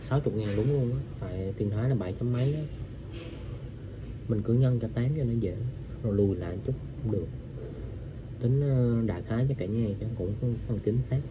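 A man's voice: mid-range voice, fairly quick. A young man with a southern Vietnamese accent chats casually to viewers, chewing and eating as he talks. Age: young adult. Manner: chewing and eating while talking. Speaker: mukbang vlogger. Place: small bedroom, indoors. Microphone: camera or phone at arm's length. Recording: muffled, with clear background noise.

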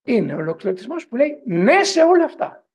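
A middle-aged priest and professor lecturing a parents' group in a digressive style, often asking the audience whether they agree. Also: male voice, very high-pitched, breathy edge. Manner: animated, digressive storytelling.

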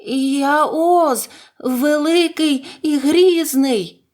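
A woman's voice: mid-range voice, normal speed, a little mellow, lightly acted. A woman voicing a timid, bald little man posing as a great wizard, speaking in a trembling, pleading voice.

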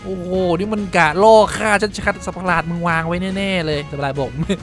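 A man giving casual gameplay commentary, excitable, swearing freely and exclaiming as he plays. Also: sits high, fast, faint music behind. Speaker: gameplay streamer.

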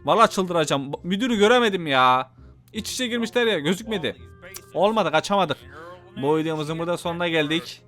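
A male streamer narrates his horror game run, swinging between startled yells and low grumbling. His voice sits high and bright. Soft game music plays under him. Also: fairly quick. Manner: excitable, yells and mutters at the game. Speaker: gameplay streamer. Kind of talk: Let's Play commentary.

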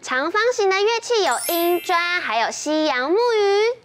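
A woman's voice: extremely high pitch, big pitch swings, unhurried, a little hiss or hum. A young woman with a Taiwanese Mandarin accent hosting a children's show, explaining cheerily and simply as if to toddlers. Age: young adult. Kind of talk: scripted children's presenting. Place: TV studio. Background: loud children's music.

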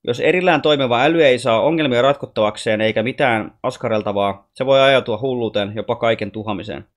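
This is a calm, patient alien boy from the stars, soft-spoken and wise, as a man reads him. He explains things gently, like a teacher in a storybook, in a voice of middling pitch. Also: lightly acted. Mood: gently teaching.

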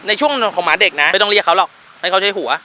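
Fast, bright-voiced male dog trainer. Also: high-pitched, fairly even intonation, a little hiss or hum. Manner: coaching and explaining, firm short commands. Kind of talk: on-location dog training instruction.

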